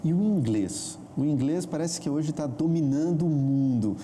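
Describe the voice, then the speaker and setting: Deep mellow Brazilian talk show host. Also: expressive, moderate pace, slight background noise. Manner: encouraging, frequent backchannel "uhum", questioning. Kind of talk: studio talk show moderating.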